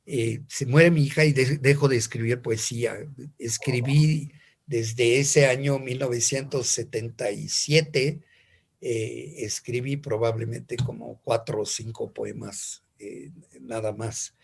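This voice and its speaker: A man's voice: medium pitch, fairly even intonation, slow, vocal fry, slightly rough. An older man, a native French speaker with a French accent, reflecting on personal stories in conversation and repeating words as he searches for them.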